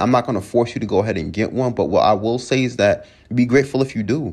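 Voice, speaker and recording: Man with an ordinary speaking voice and an American accent, medium pitch, ordinary pitch variation and fairly quick pace. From Long Island, New York. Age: 20s. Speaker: podcast host. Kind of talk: educational monologue. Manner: casual.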